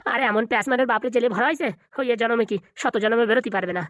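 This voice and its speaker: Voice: medium pitch, racing, fairly bright tone, close to an everyday voice. A performer voicing a crafty male lawyer in a cartoon comedy, offering slick, confident reassurance.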